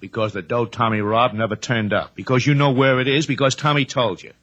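A man's voice: medium pitch, flat delivery, fairly quick, a bit bright, muffled recording, lightly acted. A man playing a brash, needling comedian and schemer in a 1950s radio drama, wisecracking and pushy, repeating himself. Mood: sly, menacing.

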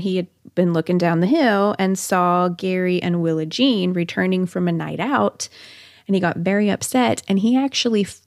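A woman's voice: mid-range voice, no echo, studio quality. A woman hosting a podcast, telling a true-crime story conversationally with chatty asides. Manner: chatty asides amid narration. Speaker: podcast host.

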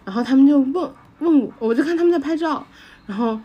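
A woman's voice: high-pitched, fast talker, dark tone, dull audio. A woman from China telling travel stories in casual podcast chat, laughing often. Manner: chatty storyteller, laughs often. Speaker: podcast co-host.

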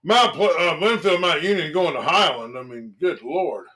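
A man's voice: a little high, moderate pace. A man hosting a local sports talk show, chatting casually about games with many fillers and restarts. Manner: relaxed, lots of fillers and restarts. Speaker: sports radio host.

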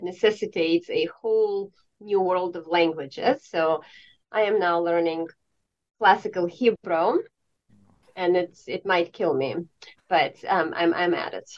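The audio is slightly dull and lo-fi. A woman from Estonia with a fairly low voice talks conversationally as an academic interview guest. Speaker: art history professor, interview guest. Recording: dull, lo-fi connection.

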